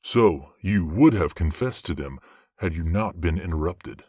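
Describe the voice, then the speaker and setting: Male angel judge, voiced by an actor: low, formal, commanding yet fair, with a dry, close sound. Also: unhurried, husky, dry recording, full character voice. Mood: measured, questioning. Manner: formal, commanding, even-handed. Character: measured, authoritative male judging archangel. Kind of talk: dramatic audio roleplay acting.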